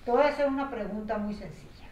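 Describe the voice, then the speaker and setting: A woman's voice: mid-range voice, fast talker, a little mellow. A woman, explaining didactically and quizzing her listener with questions. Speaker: panel participant. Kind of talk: lively explanatory conversation. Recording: echoey room, distant mic, faint noise.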